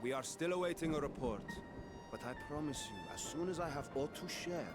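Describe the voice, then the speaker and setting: A man playing a composed, stately ruler in a video game, speaking in formal, measured oratory to reassure people. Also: fairly high pitch, close to an everyday voice. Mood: solemn, reassuring. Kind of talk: dramatic video game acting. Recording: loud music under the voice.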